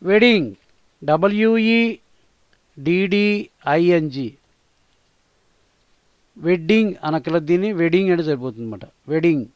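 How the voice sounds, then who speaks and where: A man with a Telugu accent teaching English vocabulary, spelling each word letter by letter and repeating it slowly. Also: fairly high pitch, animated, no echo. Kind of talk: slow vocabulary lesson, spelling and repeating words.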